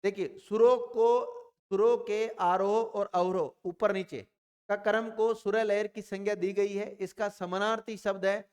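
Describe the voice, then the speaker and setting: High-voiced male teacher in a reverberant hall. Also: smooth. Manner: addresses students directly, repeats questions and answers them. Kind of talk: grammar lesson.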